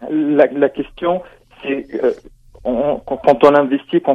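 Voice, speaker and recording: In a medium-pitched voice, a man speaks at a very slow pace. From Tunisia. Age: 20s. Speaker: caller. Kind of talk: call-in question. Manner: halting.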